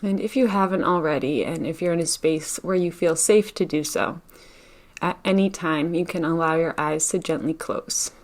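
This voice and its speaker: A woman with a somewhat low-pitched voice guides a meditation session. She speaks gently and takes her time, breaking her instructions into short phrases with generous pauses between them.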